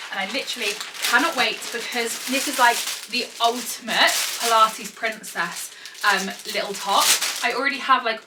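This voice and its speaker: A woman's voice: medium pitch, sharp tone. A British woman in her twenties chatting casually to camera in a bubbly, gushing, girly way, as a vlogger. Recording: distant mic, faint background noise.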